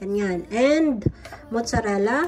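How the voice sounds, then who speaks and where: A woman speaks over light background noise. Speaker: home cook vlogger. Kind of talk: casual cooking tutorial. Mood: relaxed, chatty. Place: kitchen. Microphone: phone near.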